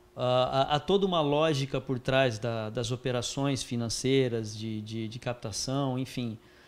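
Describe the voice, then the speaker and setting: A man talks fairly slowly, his medium pitch showing ordinary variation. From Brazil. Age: 40s. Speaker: financial advisor; interviewee. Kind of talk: interview. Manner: halting. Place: studio. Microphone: handheld.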